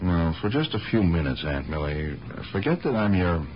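An actor playing a harried, wry police detective and dutiful nephew in a 1970s radio drama, impatient and pleading by turns. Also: male voice, low-pitched, sing-song, moderate pace. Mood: exasperated. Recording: dull, noisy 1970s radio broadcast recording.

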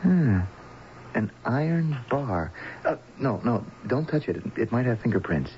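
A man playing an awkward, inquisitive off-duty policeman in a radio drama, speaking in halting questions. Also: medium pitch, sing-song. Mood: sober, investigating. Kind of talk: 1970s radio drama acting. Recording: muffled, lightly hissy 1970s radio recording.

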